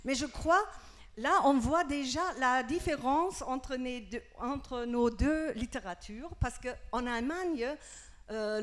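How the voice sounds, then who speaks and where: A woman with a German accent, French not her first language, giving a prepared talk at a festival, searching for her words. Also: a little high. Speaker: literary critic, festival speaker. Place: festival stage with audience. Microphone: handheld microphone.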